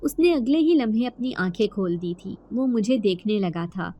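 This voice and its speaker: A woman narrating a first-person horror story in a steady, even-paced reading voice. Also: a little high, muffled recording.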